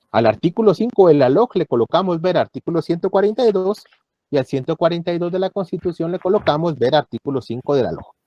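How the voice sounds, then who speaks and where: A man teaching a university law class, explaining each point slowly and checking in with his students again and again. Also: fairly high pitch, warm tone, no echo. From Guatemala. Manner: explanatory, checks understanding with frequent "¿verdad?". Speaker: law lecturer. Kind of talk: university lecture.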